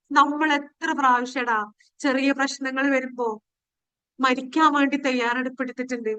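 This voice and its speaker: A woman leading a guided spiritual meditation and prayer in a pleading, devotional way with drawn-out phrases. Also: sits high, pushed and bright, clear, resonant tone, no echo, low-quality recording.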